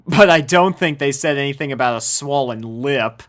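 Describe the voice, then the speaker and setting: A man's voice: medium pitch, moderate pace, fairly bright tone, dry recording, natural voice. A man voicing a smug, teasing teenage girl with a matter-of-fact manner in a story reading.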